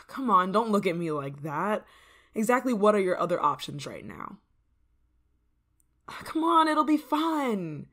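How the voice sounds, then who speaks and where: A woman's voice: mid-range voice, sing-song, unhurried, pauses often. A woman playing a sweetly obsessive yandere neighbor. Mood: coaxing. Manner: soft-spoken, drops to whispers, sweet with creeping menace. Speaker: ASMR roleplay performer. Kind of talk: ASMR roleplay.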